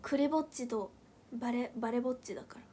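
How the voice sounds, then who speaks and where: A young woman hosting a casual livestream. She reads viewer comments aloud, reacts with quick playful questions, counts things off aloud and thanks her viewers one by one by name. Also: on the high side, mellow, slight background noise. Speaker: idol group member hosting a livestream.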